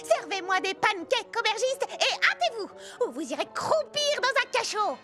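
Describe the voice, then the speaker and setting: A very high girlish voice putting on a grand, haughty evil queen. She is pompous and imperious, in children's cartoon style, with clear music behind her. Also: big pitch swings, moderate pace. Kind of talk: animated children's cartoon dub.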